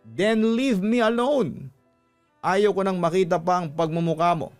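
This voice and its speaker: A man acts out a betrayed wife in a radio love drama, wounded and angry, reproaching her husband in a raised pitch. Music plays underneath. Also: measured pace, a little mellow. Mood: firm, angry. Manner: emotional, reproachful, switching between Tagalog and English.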